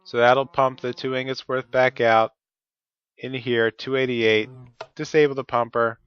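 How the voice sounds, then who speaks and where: A man's voice: mid-range voice, flat delivery, a little slow, smooth, no echo, muffled recording. A man with a stuffy, cold-affected voice, talking methodically through each step of his gameplay. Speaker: Let's Play host. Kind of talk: casual gameplay commentary.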